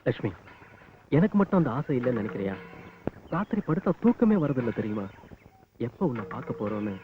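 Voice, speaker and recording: A man's voice: mid-range voice, very animated, fairly quick, slight background noise, lightly acted. An actor playing a playful young man who soothes and reassures his beloved in an old film drama. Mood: tender. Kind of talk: 1990s film drama dialogue. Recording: tinny old film soundtrack with music.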